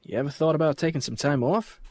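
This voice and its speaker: A man's voice: a little high, fast talker, a little mellow, natural voice. An actor playing a young police officer who banters and jokes around with his colleagues. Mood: casual. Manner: playful, mock-archaic jokes.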